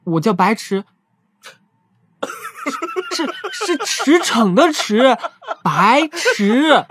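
A woman playing a husky, timid young man. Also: a little high, very animated, drawn-out words, fairly bright tone, heavily acted. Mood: shy, curious. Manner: hesitant, stammering. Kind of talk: Chinese audio drama acting. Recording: music behind the voice.

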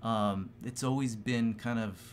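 A man in his thirties hosting a webinar from home, asking questions in a halting way with many pauses. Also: lowish voice, steady tone, slight background noise. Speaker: host and moderator. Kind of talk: webinar moderating. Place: home room with bookshelves, indoors. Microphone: video call with earphones.

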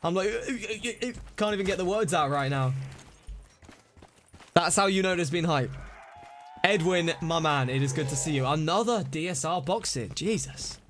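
A man's voice: on the high side, moderate pace, a little hiss or hum. A young man streaming a zombie shooter, chatting with viewers and losing his voice from the hype. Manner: excitable, chatty, greets chat by name. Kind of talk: live-stream gameplay chat.

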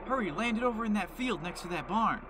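A man's voice: sits high, animated, fast talker, noisy background. A man playing an earnest, naive young chicken farmer in a comedic audio drama. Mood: urgent alarm.

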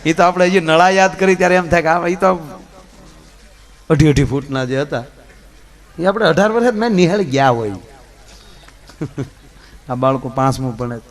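A man telling folk stories and jokes to a live audience, swinging between loud telling and soft asides. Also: a little high, normal speed, pauses often. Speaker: folk storyteller and comedian. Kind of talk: live folk storytelling on stage.

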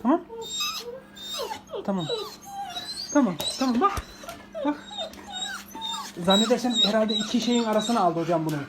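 A man's voice: high voice, lively intonation, normal speed, pauses often, heavy background noise. A man in his forties from Turkey, rescuing an animal, talks in a soothing, coaxing way and repeats short words again and again. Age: 40s. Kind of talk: unscripted phone video.

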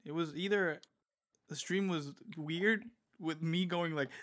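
A man's voice: a little high, a little slow, noisy background. A man talking over voice chat with a streamer friend while gaming, teasing and easygoing. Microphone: remote voice chat mic.

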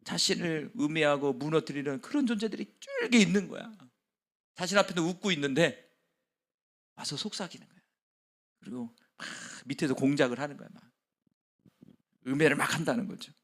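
Lively pastor with a gravelly voice. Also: male voice, on the high side, a little fast, long pauses. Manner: lively and conversational, with laughs and quiet whispered asides. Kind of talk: sermon.

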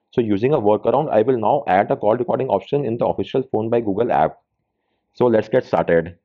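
A man narrating a step-by-step tech tutorial, instructing viewers directly as the host. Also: medium pitch. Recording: tinny phone-like band-limited sound.

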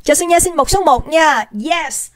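A livestream host with a high-sitting voice speaks unhurriedly into a desk microphone, with a dry recording sound. She's chatty and bubbly, greeting viewers by name and slipping in English phrases.

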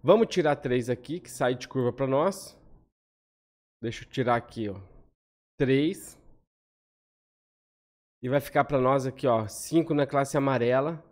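A man in his thirties with a Brazilian accent, walking through lottery statistics on a spreadsheet in a casual, quick style and often ending phrases with a questioning "tá?". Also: mid-range voice, darkish tone. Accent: Brazilian Portuguese. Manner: quick, conversational, frequent "tá?" tag questions. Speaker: lottery analysis host. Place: home room, on webcam over screen share.

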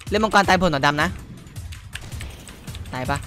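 A young man playing a game and commentating, swearing loudly at other players, then switching to polite speech when he talks to his viewers. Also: on the high side, moderate pace. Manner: loud swearing outbursts, yelling at other players; polite ending particles when addressing viewers. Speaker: gaming YouTuber. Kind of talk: excitable gaming commentary. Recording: background music under the voice.

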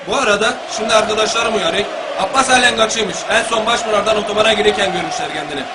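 A noisy recording with ambience behind a comic Turkish football commentary. The commentator , acted by a man, is an exasperated, foul-mouthed local partisan with a Gaziantep accent. He talks fast in a high-pitched voice, sliding from formal match calls into folksy grumbling. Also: a loud crowd, natural voice. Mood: wry narration. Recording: clear background noise and ambience.

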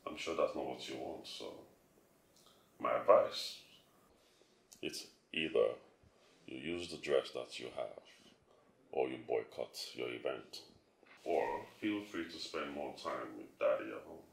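Nigerian dad in a movie, really deep voice, firm but loving, echoey room. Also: male voice, measured pace, gravelly, long pauses, exaggerated voice. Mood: firm, reproving. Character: firm, affectionate father of a teenage daughter. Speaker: actor. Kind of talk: naturalistic film acting. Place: furnished house interior. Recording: echoey room, faint music.

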